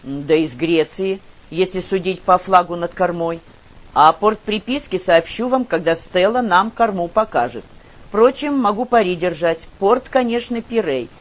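Woman voicing a knowing, self-assured man, matter-of-fact, low-ish voice, audiobook. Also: expressive, measured pace. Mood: confident.

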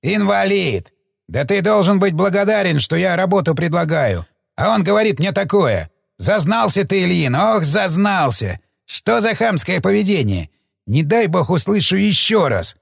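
A man voicing a furious, blustering male hospital boss who shouts threats in a raised voice. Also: very animated, normal speed, gravelly, slightly rough, no echo, studio quality, full character voice. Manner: shouting, threatening, higher-pitched.

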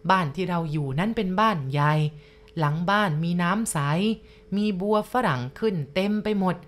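A woman telling a first-person ghost story at a slow, confiding pace, speaking straight to the listener. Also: mid-range voice.

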